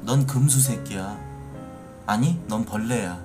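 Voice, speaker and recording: A man ranting at his chat during a live stream, swearing and building into angry shouts. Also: on the low side, a little slow, over music. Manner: angry, profane, rising to shouting. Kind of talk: casual live-stream rant.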